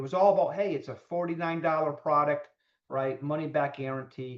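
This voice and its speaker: The speaker is a man. His fairly high pitch shows ordinary variation. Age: 60s. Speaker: network marketing leader. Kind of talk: motivational talk on a group call. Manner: animated.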